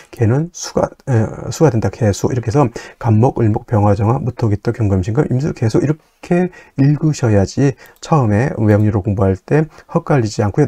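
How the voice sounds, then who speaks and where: A man teaching an astrology lesson in a patient lecture style, repeating terms one by one and often pausing with fillers. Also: on the low side, mellow, no echo. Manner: patient, repetitive drilling with frequent fillers.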